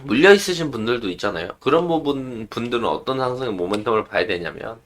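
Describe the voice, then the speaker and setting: Male market analyst, mid-pitched, highly animated intonation, conversational explainer stressing key points. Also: fast. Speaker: stock analyst presenter. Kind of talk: informal stock chart commentary.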